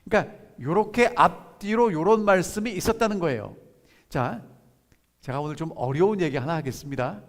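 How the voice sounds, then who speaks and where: Pastor guy preaching, kinda high voice, asks the congregation stuff then answers it, big echoey church. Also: lively intonation. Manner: keeps asking the congregation questions, then answers them; reads scripture aloud slowly and softly. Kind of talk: sermon. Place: church sanctuary. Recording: long church hall reverb.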